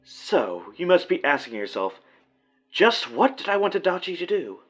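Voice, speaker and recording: Lilting, courtly, theatrical villain. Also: male voice, high voice, big pitch swings, moderate pace, husky, highs cut off, soft background music, heavily acted. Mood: gloating, playful. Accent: faint German. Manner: courtly, mock-polite, teasing tag questions. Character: suave, theatrical psychopathic villain, serenely pleasant kidnapper. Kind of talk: audio drama acting.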